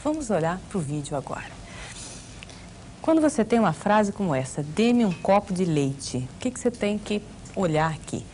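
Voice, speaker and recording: A woman's voice: mid-range voice, sing-song, normal speed, a little mellow, slight background noise. A woman with a Brazilian accent teaching a grammar video lesson, explaining patiently and asking rhetorical questions. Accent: Brazilian Portuguese. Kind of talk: video lesson for exam prep.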